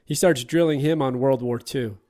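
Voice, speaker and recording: A man's voice: mid-range voice, moderate pace, dark tone. A man hosting a casual movie podcast, retelling scenes and chuckling along. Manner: laughs while retelling scenes. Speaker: podcast host.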